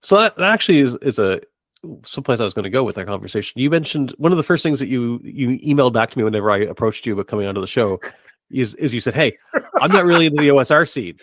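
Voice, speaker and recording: A man hosting a podcast in casual interview chat, asking meandering, halting questions. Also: mid-range voice, lively intonation, a bit bright, no echo. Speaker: podcast host.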